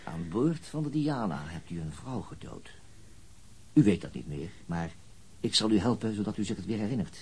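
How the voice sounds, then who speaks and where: Low, very husky police detective. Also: male voice, lively intonation. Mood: insistent, probing. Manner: measured, terse, insistent. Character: weary, dogged male police detective. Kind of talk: dramatic crime acting.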